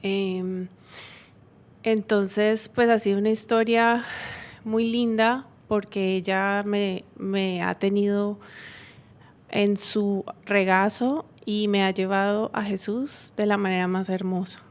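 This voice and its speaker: A woman tells her personal story of faith as a talk show guest. She speaks earnestly at a mid pitch, pausing often and restarting her sentences as she searches for words. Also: little pitch movement. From Colombia. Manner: halting, many fillers and restarts, earnest. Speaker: guest giving a testimony.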